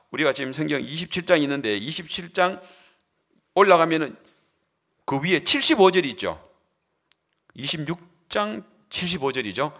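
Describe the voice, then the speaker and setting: A man pastor delivers a sermon in a bright, clear tone that sits a little high. His pitch swings widely as he quizzes the congregation. He acts out the lines he quotes as he preaches. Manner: animated preaching, questions to the congregation, acted-out quotes. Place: church.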